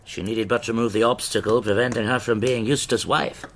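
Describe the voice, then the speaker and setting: A man's voice: mid-range voice, fairly even intonation, a little fast, fairly bright tone, slight background noise, close to an everyday voice. An actor playing a theatrical, cunning, eccentric disabled man in a Victorian radio drama, declaiming in a florid, mocking way. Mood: dramatic, conspiratorial.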